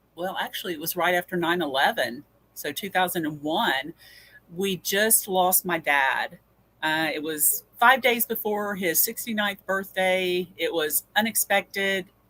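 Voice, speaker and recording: A woman's bright, sharp tone at a medium pitch and a fairly slow pace. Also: ordinary pitch variation. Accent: Southern US. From US South, Tennessee. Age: 50s. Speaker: paranormal researcher and author. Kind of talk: casual interview.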